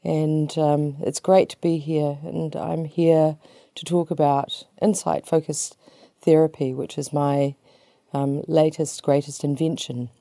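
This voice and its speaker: A New Zealand woman in her fifties, a psychotherapist appearing as a guest, introduces herself in a small studio, with a dry sound. Her voice is deep, warm and creaky, delivered flatly and a little slowly, and her relaxed introduction is chatty and self-deprecating.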